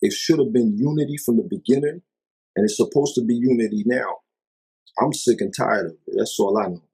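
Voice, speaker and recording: A man speaks in a husky, slightly rough voice of middling pitch, delivering an emphatic vlog monologue. He presses his points hard and throws out rhetorical questions with open exasperation. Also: fairly quick, mellow, poor audio. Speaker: vlogger. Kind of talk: impassioned commentary monologue.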